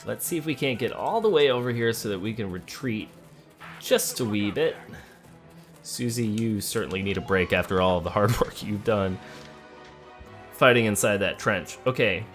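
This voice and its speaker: A man's voice: lowish voice, moderate pace, fairly bright tone, soft background music. A man giving casual let's play commentary on a video game, thinking aloud and talking to the characters as he plays. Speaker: gamer playing a video game.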